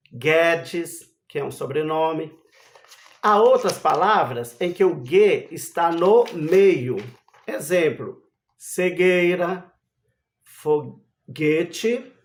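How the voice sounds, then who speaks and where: A Brazilian man teaches a literacy lesson at an unhurried, measured pace. His voice sits fairly high for a man, and he spells out letters one by one and checks in with rhetorical questions. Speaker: Portuguese language teacher.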